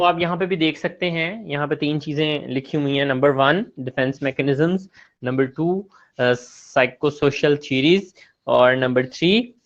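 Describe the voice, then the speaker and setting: A man's voice: medium pitch, fairly bright tone, muffled recording. A man giving an online class lecture, chiding and teasing his students.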